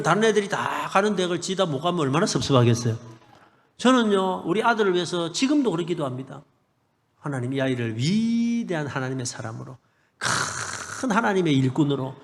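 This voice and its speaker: A middle-aged male pastor with a Gyeongsang accent preaching a revival sermon, building to loud blessings and joking with the congregation. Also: extremely high pitch. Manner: preaching with rising shouted blessings and humorous asides to the congregation. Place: church sanctuary. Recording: long hall reverb in a church.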